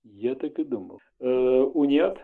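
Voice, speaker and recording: A man's voice: medium pitch, very animated, a little slow, gravelly, phone-quality sound. A man arguing heatedly in the street, interrupting often and stumbling over hesitant fillers. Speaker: passer-by in debate.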